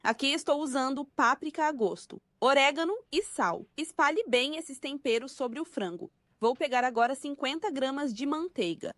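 A woman's voice: high voice, animated, moderate pace, fairly bright tone, no echo, clean studio sound. A Brazilian woman reading a scripted cooking tutorial as a voice-over. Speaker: recipe video narrator.

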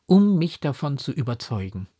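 A man's voice: medium pitch, very animated, moderate pace, dark tone, voice pushed up. A man reading the part of a noble, remorseful mother in a classic audiobook, in a raised, emotional voice.

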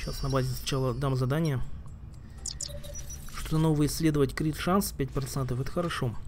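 A man's voice: medium pitch, fairly even intonation, brisk, background noise. A man giving casual gameplay commentary as a streamer, thinking aloud and muttering asides while he plays. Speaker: game streamer.

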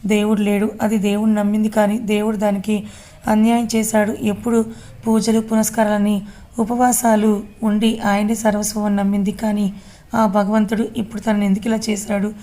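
A tearful young woman, bitter at god, in a storybook tale, read by a woman narrator. The tone is mellow and the pitch even. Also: moderate pace, lightly acted. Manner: plain read-out dialogue.

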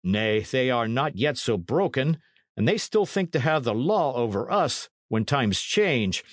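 A man's voice: medium pitch, sing-song, measured pace, dry recording, studio quality, pitched above the performer's own voice. A man voicing a portly middle-aged priest in an audiobook, fretful and scholarly, with pompous, exclamatory archaic speech. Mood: deliberating, pompous.

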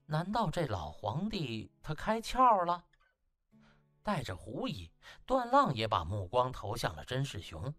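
A man's voice: mid-range voice, wildly swooping pitch, a little slow, fairly bright tone, no room sound, soft background music. A man narrating an audiobook as dramatic scripted storytelling, in a theatrical, emphatic manner.

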